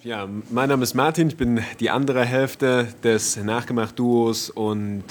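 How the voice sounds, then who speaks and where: A man's voice: mid-range voice, fairly even intonation, a little slow. A young man from Thuringia, a media scholar, speaking as an interview guest over a video call in a matter-of-fact, academic way. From Thuringia, Germany.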